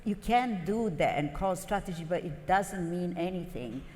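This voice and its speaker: A woman design partner on a live panel, explaining her thinking in a thoughtful, measured way. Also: lowish voice, animated, mellow. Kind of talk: unscripted panel talk. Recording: reverberant live conference hall.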